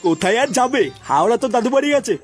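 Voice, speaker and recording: A man voicing a grumpy, crude old grandfather in a comedy cartoon, with a pitched-up voice. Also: lively intonation, rapid-fire. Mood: gruff, dismissive. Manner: scolding, dismissive, crude. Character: grumpy, foul-mouthed old grandfather and husband. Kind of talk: comic cartoon dialogue. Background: faint music.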